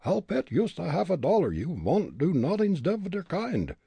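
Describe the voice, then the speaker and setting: A man voicing a calm young detective who speaks broken English with a comic German accent. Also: high voice, normal speed, creaky, husky, dry recording, voice pushed up, heavily acted. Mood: stubborn.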